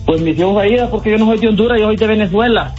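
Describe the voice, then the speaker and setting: A man's voice: high voice, racing, darkish tone. A man on the phone as the target of a prank, blunt and confused, firing back retorts. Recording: muffled lo-fi phone audio with faint music.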